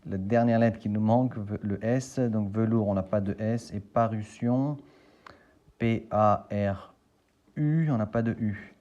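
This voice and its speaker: A man's voice: lowish voice, a little slow, warm tone, highs cut off. A man casually thinking aloud and spelling out letters as he scratches lottery tickets for a video.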